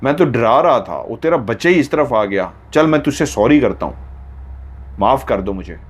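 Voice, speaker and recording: A man voicing a brash young man who keeps defending himself with quick excuses in a story. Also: medium pitch, animated, breathy edge. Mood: defensive.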